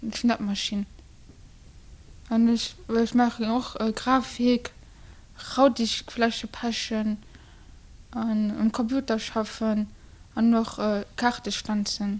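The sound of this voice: Speaking slowly, a woman has a fairly high pitch, little pitch movement and a slightly mellow tone.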